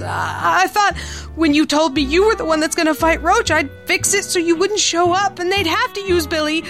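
A woman's voice: extremely high pitch, fairly bright tone. A woman playing a sweet, scheming young dance-hall girl in the melodramatic style of an old pulp radio drama.

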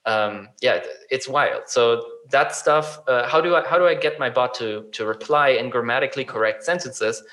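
Over a low-quality recording, a man speaks at a moderate pace with few pauses, his medium-pitched voice slightly bright. The talk is a casual chat about chatbot design, where he leans on examples to explain ideas while hesitating, using many fillers and restarting often.

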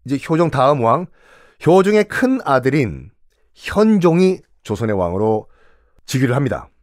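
A man's voice: mid-range voice, normal speed, no room sound, studio quality. A man telling history in a casual, playful podcast lesson, acting out quotes as he goes. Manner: playful, animated, acts out quotes.

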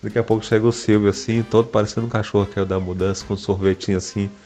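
A man telling a funny personal story in a casual chat, animated and laughing often as he acts out the dialogue. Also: fairly low pitch, rapid-fire, slight background noise.

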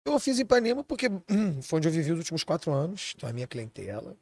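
A man's voice: on the high side, big pitch swings, fast, vocal fry, darkish tone. A man from Switzerland, a chef and restaurant owner, talking animatedly in a casual podcast chat and swearing freely.

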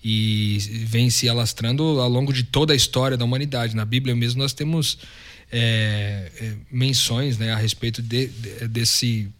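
Thoughtful mid-pitched man reflecting. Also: steady tone, normal speed, fairly bright tone. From São Paulo, Brazil. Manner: thoughtful, restarts while searching words. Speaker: podcast co-host. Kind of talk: reflective religious discussion.

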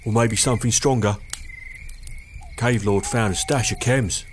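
An actor playing a foul-mouthed, cocky raider thug with a British accent in a dark audio drama, coarse and mocking. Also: male voice, mid-range voice, measured pace, a little hiss or hum, natural voice. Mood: mocking, chummy.

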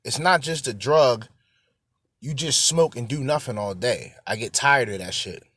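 A man's voice: mid-range voice, measured pace, fairly bright tone, slightly rough, dry recording. A man hosting a casual, opinionated monologue, blunt and full of slang and swearing, repeating phrases for emphasis. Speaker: solo show host.

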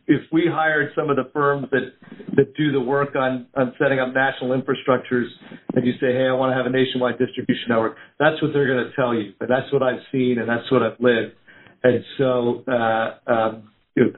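Male executive on a narrow phone line. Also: medium pitch. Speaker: company executive on earnings call. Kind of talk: answering analyst questions, unscripted business talk. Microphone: conference call line.

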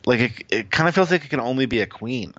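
A man's voice: medium pitch, animated, quick pace, dry recording, lo-fi sound. A man appearing as a guest, analyzing poker strategy casually and thinking aloud with many "like"s.

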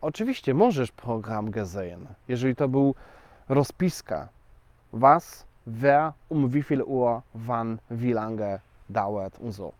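A man's voice: mid-range voice, animated, a little mellow, dry recording. A man teaching in a chatty, explanatory way, talking directly to his viewers. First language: Polish. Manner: chatty, addresses viewers directly, slow and deliberate. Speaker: language teacher. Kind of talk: casual explanatory lesson.

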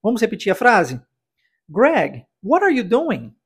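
A man's voice: high voice, huge pitch swings, unhurried, breathy edge. A man from Brazil teaching English on a podcast, explaining patiently and encouraging the listener, often checking in with short tag questions. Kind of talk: podcast lesson addressing listener.

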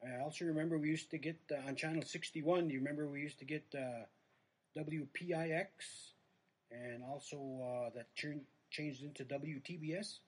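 With a slightly high, husky voice, this middle-aged man keeps a steady tone and moderate pace. A comedian and livestream host from Red Lake reservation in the United States, he has a Native American reservation accent. He chats casually, rambling, poking fun at himself and letting sentences trail off.

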